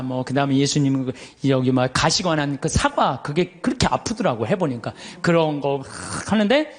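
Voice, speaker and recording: Animated, high-voiced Korean priest preaching. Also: male voice. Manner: animated, acts out quoted voices, laughs often. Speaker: Catholic priest. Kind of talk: lively storytelling sermon.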